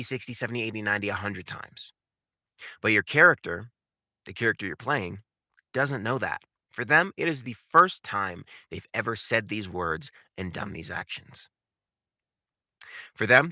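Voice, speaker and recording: A man giving an instructional monologue as a voice acting coach, speaking emphatically and deliberately, with dramatic pauses and repeated phrases. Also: on the low side, bright, forceful tone, no echo, clean studio sound.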